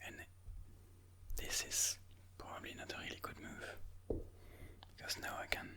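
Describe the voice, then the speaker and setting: A person whispering ASMR game commentary in a breathy, mostly unvoiced voice, slowly and soothingly thinking aloud. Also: bright, forceful tone. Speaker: ASMR chess video host.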